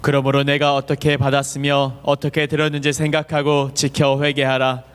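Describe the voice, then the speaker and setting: Male scripture reader, flat even delivery, smooth resonant voice, long church reverb. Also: medium pitch, moderate pace. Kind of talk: solemn scripture reading. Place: church sanctuary.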